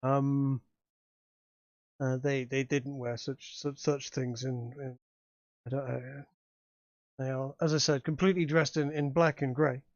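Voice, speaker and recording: A man's voice: medium pitch, level tone, dry recording, muffled recording. A man narrating a tabletop game as game master, describing scenes with frequent fillers and restarts. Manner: halting, many restarts and fillers.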